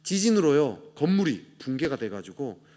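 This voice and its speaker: A man pastor preaching a sermon, swinging between loud urgent rises and low quiet endings. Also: big pitch swings, moderate pace.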